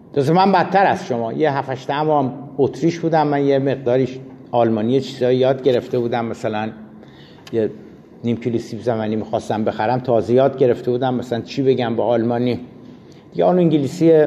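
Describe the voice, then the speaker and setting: A man speaks at a fairly quick pace in a medium pitch with ordinary pitch variation, over noticeable background noise and with audible room echo. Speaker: history lecturer. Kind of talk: lecture.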